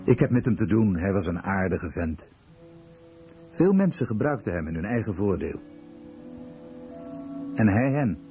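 An actor voicing an acquaintance's reminiscence in a documentary voice-over. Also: male voice, fairly low pitch, very animated, unhurried, long pauses, warm tone. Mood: rueful. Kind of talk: scripted documentary voice-over translation. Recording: dull lo-fi radio recording. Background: guitar music.

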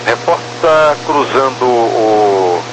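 A man's voice: medium pitch, animated, very slow. A man working as an air traffic controller, giving short, clipped, businesslike instructions over air traffic control radio. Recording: noisy radio channel with hum.

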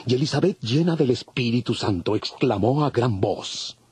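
A man narrating scripture from a script in measured storytelling. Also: medium pitch, expressive, darkish tone, slightly rough, no room sound. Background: faint music.

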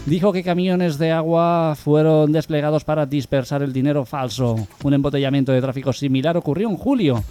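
A man from the Barcelona area hosting a local radio humor show, reading odd news items and telling jokes in an even newsreader tone. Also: a little high, fairly quick, hardly any pauses, faint music behind. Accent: Spanish, Barcelona area. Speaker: radio host.

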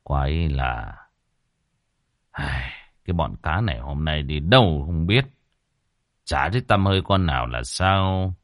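A man narrator voicing a gruff retired old village grandfather who barks and curses. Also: extremely low pitch, animated, measured pace, long pauses, a bit bright, no echo, clean studio sound, pitched below the performer's own voice, exaggerated voice. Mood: muttering grumble. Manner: cursing, barking outbursts.

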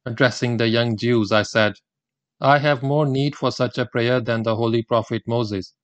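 An older man from India, whose first language is Gujarati, gives a formal religious lecture in a measured, deliberate way. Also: medium pitch, steady tone, no room sound. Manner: measured, deliberate delivery with Quranic recitation.

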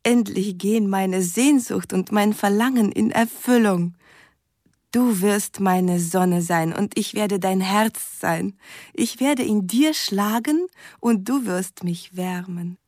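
An adoring sweetheart voicing a love letter in a radio play. She speaks slowly and with yearning, in a very dry, close sound. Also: mid-range voice, darkish tone, dry recording. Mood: yearning, loving. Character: adoring Russian woman reading her love letter. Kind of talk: radio drama letter reading.

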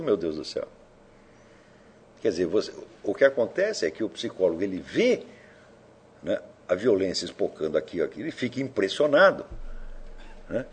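A man's voice: medium pitch, breathy edge. A man giving an informal lecture, provoking his listeners with rhetorical questions and casual swearing.

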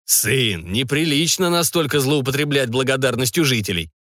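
A man voicing a stout older father who lectures his family in a measured way. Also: mid-range voice, expressive, a bit bright, no echo, studio quality, natural voice. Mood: reproachful.

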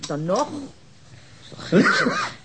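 A woman's voice: medium pitch, wildly swooping pitch, measured pace, very noisy. An actress playing a fussy, chiding middle-aged housewife and mother in a naturalistic radio drama. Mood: fretful.

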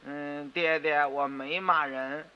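A male storyteller voicing a clever, cheeky young schoolboy who speaks softly and innocently, on a dull radio recording with long reverb. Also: a little high, steady tone, slow pace, clear, resonant tone. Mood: innocently sly. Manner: soft, sly, innocent-sounding. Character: clever, cheeky nine-year-old schoolboy.

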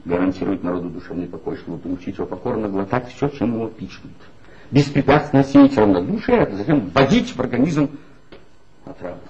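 An actor playing a bitter, ironic former magazine writer in a 1960s radio play, speaking in a measured, wry way. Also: male voice, fairly low pitch, lively intonation, mellow, husky, heavily acted. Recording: dull old 1960s radio recording with faint hiss.

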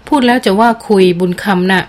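A woman's voice: medium pitch, a little fast, lightly acted. A woman voicing a cheeky old male jungle tracker who talks in an easygoing rural drawl. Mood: teasing. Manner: easygoing, teasing.

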